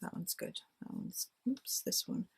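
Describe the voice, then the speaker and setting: A woman chatting casually to herself and her viewers while she decorates a handmade journal at home. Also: a little slow. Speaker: crafting vlogger. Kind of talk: casual crafting chat.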